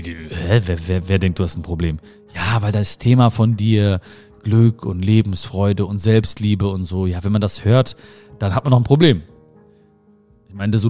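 A man in his thirties, raised in Germany, hosting a motivational podcast in an earnest, emphatic way, his pitch rising sharply on key phrases. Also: darkish tone. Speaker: podcast host. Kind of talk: motivational talk.

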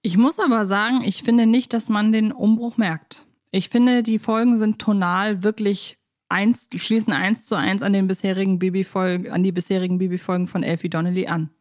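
A woman co-hosts a podcast in an easy, conversational style. She speaks at a medium pitch and sounds like a keen fan working out her thoughts as she goes. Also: steady tone, normal speed, darkish tone. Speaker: podcast co-host. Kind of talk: casual chat about children's audio plays.

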